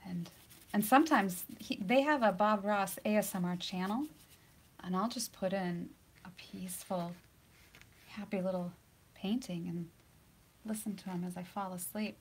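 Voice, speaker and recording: During a live demo in a studio full of lights and cameras, a woman instructor paints while chatting, laughing frequently and now and then sinking into a soft near-whisper. Her voice is mid-range and moderately paced with frequent pauses, and a little hiss or hum is audible.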